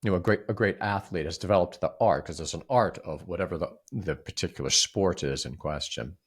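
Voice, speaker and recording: Deep-voiced man, reflective and halting. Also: husky. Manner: halting, repeats words and restarts often. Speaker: podcast co-host. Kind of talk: reflective conversational discussion.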